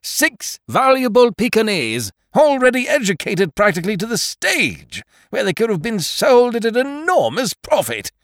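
A loud, blustering schemer from a storybook, full of hearty indignation, as a male narrator puts him on. The voice leaps up high when worked up, and it sits in a dry, close space. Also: wildly swooping pitch, moderate pace, no echo. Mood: outraged. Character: blustering booming middle-aged male schemer.

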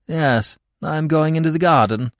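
A man gives voice to an aristocratic English wife in a comic storybook. She is curt and in command, with brisk, cool replies. The voice is raised in pitch and recorded dry. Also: fairly bright tone, no echo. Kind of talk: comic novel audiobook character voice.

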